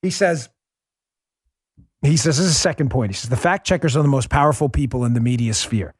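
A middle-aged man hosting a political talk podcast, speaking emphatically into a studio microphone, calling his listeners folks and dropping his voice low for emphasis. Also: brisk, slightly rough, no room sound. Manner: emphatic, swings loud and quiet for emphasis; addresses listeners directly as folks. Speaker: podcast host. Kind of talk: political talk show monologue.

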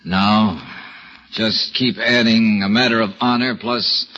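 Wry, low-voiced private eye. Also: male voice, fairly even intonation, slow, bright, forceful tone, exaggerated voice. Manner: dry, teasing, self-assured. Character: wry, confident private detective. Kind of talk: 1940s radio acting. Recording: dull lo-fi old radio recording with music.

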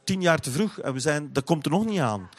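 A man's voice: fairly high pitch, sing-song, brisk. A man with a Flemish accent chatting casually about music, often repeating words as he searches for phrasing. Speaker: interview guest, teacher.

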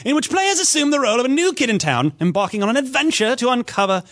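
A man hosting a gaming podcast, chatting and reading aloud in an animated, easily amused way. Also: very high voice, fast talker. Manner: animated, breaks into giggles while reading. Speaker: podcast host.

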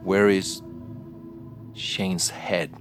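An actor playing a stern police detective who questions firmly and measuredly, then turns accusing. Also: male voice, low voice, flat delivery, very slow, over loud music. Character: stern hard-pressing male detective.

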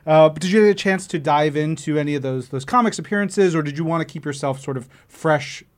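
A man's voice: a little high, quick pace. A man co-hosting a casual interview, talking like an eager, opinionated comics expert who jumps in readily. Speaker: co-host, comics professional. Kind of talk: casual fan conversation.

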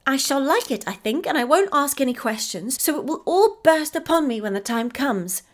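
An eager little girl full of wonder, her voice leaping high and breathless, as a woman reading the story puts her on. She squeals and pleads in a storybook telling, far above the reader's own pitch. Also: expressive, normal speed. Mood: excited.

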